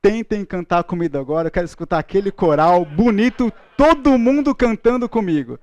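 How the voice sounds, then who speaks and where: A man's voice: high-pitched, lively intonation, fairly quick, lo-fi sound. A man with a Brazilian Portuguese accent teaching a Bible school class in a playful, joking way, leading the room in chanting letters. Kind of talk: lively classroom lesson.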